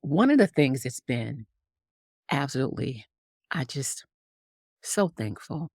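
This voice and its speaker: A woman's voice: a bass voice, sing-song, slow, darkish tone, no room sound, studio quality. A woman guest telling a story in conversation, acting out characters with big swings in voice. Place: Harlem upbringing.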